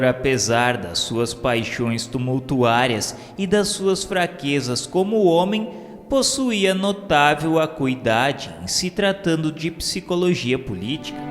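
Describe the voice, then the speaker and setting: A man giving a slow, solemn, measured scripted narration of a spiritual history. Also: fairly high pitch. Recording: long reverb with faint music bed.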